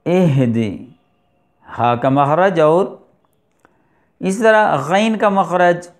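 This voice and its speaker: A middle-aged man teaching a recitation lesson, explaining and slowly drawing out letters and verses. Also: high voice, expressive. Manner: slow deliberate articulation of letters, drawn-out recitation. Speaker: tajweed teacher.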